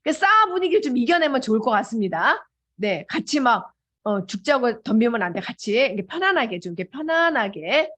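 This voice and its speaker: A woman giving a seminar talk to an audience. She talks in an animated way and acts out little dialogues in changing voices. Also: a little high, a little fast. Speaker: motivational speaker.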